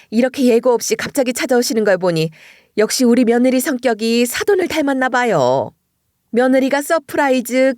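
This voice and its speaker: A woman's voice: fairly high pitch, a little mellow, dry recording, clean studio sound, natural voice. A woman voicing a scheming, sarcastic middle-aged mother-in-law who needles with false politeness.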